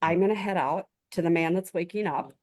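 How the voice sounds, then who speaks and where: A woman's voice: lowish voice, a little fast, darkish tone, no echo, studio quality. A woman co-hosting a video-call chat, talking in a joking, chatty way. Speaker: co-host. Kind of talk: casual chat.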